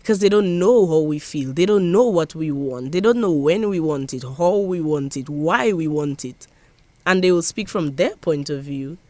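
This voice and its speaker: A woman's voice: low-pitched, expressive, normal speed, warm tone, no echo. Young woman, Dominican accent, earnest and emphatic, often restarts, close dry recording. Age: young adult. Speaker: parliamentary secretary. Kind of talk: interview.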